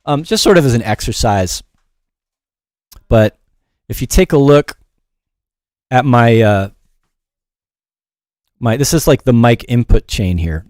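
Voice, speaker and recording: Brief: middle-aged male tutorial host, mid-range pitch, informal and rambling, self-deprecating, recorded dry. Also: animated, slow pace, long pauses, darkish tone, no room sound. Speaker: music production teacher and show host. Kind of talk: casual livestream tutorial.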